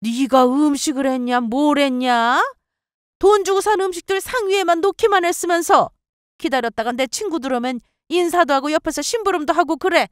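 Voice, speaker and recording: A woman voicing a bossy, spiteful older mother-in-law who yells and scolds in a shrill voice. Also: normal speed, no echo, clean studio sound, lightly acted. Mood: scornful.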